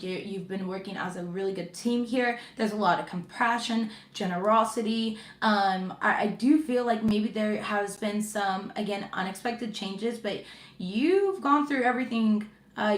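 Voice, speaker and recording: A woman's voice: mid-range voice, echoey room. A woman reading tarot cards to her viewers in a chatty, reassuring way, with frequent fillers and check-ins. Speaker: tarot reader.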